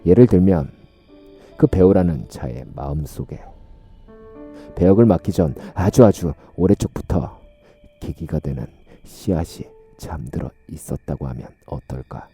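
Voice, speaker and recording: A man narrating a horror radio story in a slow, musing, hushed way. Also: deep voice, lively intonation, husky, faint music behind.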